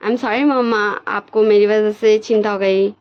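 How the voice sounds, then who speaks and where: A woman's voice: medium pitch, fairly even intonation, unhurried, clear, resonant tone, natural voice. A woman voicing a worried young male college student who frets about his brother, in a lo-fi recording. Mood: scolding.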